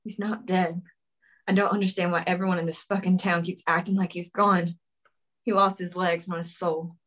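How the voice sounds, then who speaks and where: A woman's voice: lowish voice, level tone, moderate pace, fairly bright tone. A woman reading the part of a tough, grieving young woman, guarded and defiant, at a script table read.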